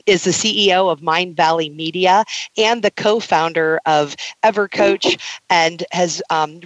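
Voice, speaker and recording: Man, fairly high voice, effusive guest introduction, dry sound. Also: no room sound. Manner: warm, effusive praise. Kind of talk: reading an introduction.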